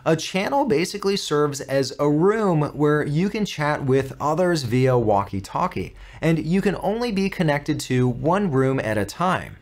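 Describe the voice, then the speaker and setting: Higher-voiced American man presenting a tutorial. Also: big pitch swings, a little slow, few pauses. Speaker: tutorial host. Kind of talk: step-by-step software tutorial narration.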